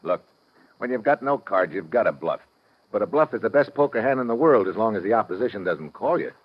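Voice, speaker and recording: An actor playing a cool, tough American special agent in a 1950s radio drama, speaking tersely in wisecracking slang. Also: male voice, on the low side, animated, fairly quick, close to an everyday voice. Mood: wry, relaxed. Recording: muffled, noisy vintage radio recording.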